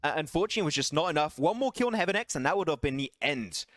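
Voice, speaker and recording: A man casting an esports match alone, excitable and chatty, laughing and bantering with his stream chat between calls. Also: on the high side, rapid-fire, no echo, studio quality. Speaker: esports caster. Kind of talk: solo esports play-by-play commentary.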